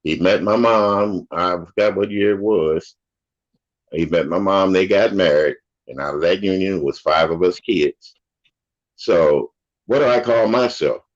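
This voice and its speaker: A man's voice: sits low, unhurried. An older man in casual conversation, an opinionated, rambling storyteller from the United States. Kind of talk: casual chat. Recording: dull lo-fi audio.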